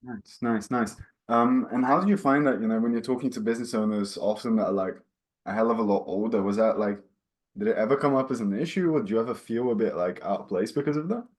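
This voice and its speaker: A man hosts a relaxed interview in a chatty, friendly way. He asks loose questions full of fillers and drops casual swear words. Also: lowish voice, fast. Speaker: interview host.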